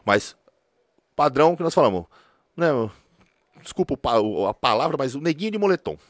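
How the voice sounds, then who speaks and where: A man's voice: mid-range voice, big pitch swings, brisk, no room sound, clean studio sound. A man, a former police officer telling stories in a slangy, casual conversation. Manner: storytelling, slangy, repeats filler words.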